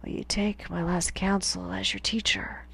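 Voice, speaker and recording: A woman voicing a dying, gruff old male weapons teacher, speaking in a slow, halting whisper. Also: medium pitch, little pitch movement, a bit bright, full character voice.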